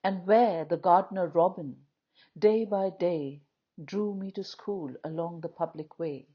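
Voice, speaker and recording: A woman reciting poetry in a solemn, dramatic, measured style, pausing often between short phrases. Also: lowish voice, lo-fi sound. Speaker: poetry reader.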